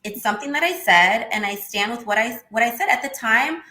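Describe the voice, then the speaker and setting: A woman in her thirties with a high-pitched voice, talking in a casual, outspoken way as a guest on a video call interview. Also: a little fast. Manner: animated, outspoken, swears casually. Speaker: interview guest, former wrestler. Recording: echoey room.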